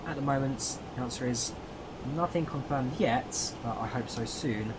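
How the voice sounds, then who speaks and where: Man, English accent, casual streamer chatter, thinks aloud, middle pitch, steady hum behind. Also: normal speed. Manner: chatty, thinks aloud, answers chat viewers. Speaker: flight simulator streamer. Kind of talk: casual live-stream commentary.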